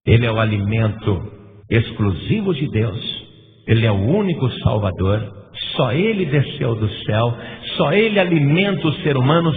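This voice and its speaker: Man, Brazilian accent, pastor's sermon, fairly high voice, tinny lo-fi sound, long echo. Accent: Brazilian Portuguese. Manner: impassioned preaching, rising to loud emphatic lists. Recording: tinny phone-like sound with long reverb and faint noise.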